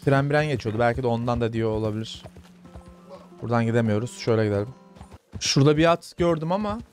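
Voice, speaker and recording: A young man casually commenting on his gameplay, chatting to his viewers and softly calming a horse in the game. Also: medium pitch, quick pace, soft background music. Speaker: gaming YouTuber. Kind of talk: casual let's-play commentary.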